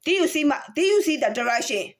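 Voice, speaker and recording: A woman's voice: high-pitched, expressive, fast. A woman from Myanmar in a casual, rambling monologue to camera, full of rhetorical questions and restarts. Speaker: vlogger.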